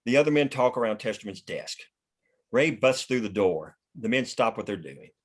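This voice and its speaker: A man's voice: medium pitch, animated, moderate pace. A man narrating stage directions at a screenplay table read in a matter-of-fact way.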